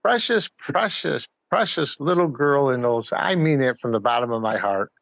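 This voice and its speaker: A man talks casually in a medium-pitched voice, repeating words to make his point. The recording is dry but a little dull. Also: lively intonation, moderate pace, gravelly, fairly bright tone, no room sound. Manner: emphatic, repeats words for emphasis. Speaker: guest, community theatre player. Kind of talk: casual conversational storytelling. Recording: slightly dull, lo-fi audio.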